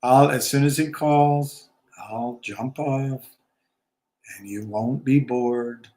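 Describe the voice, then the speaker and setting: Slow, rambling man in a roomy room. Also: mid-range voice, dark tone. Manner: rambling, opinionated, wry asides. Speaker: livestream host. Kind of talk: casual livestream talk on markets. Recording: roomy echo.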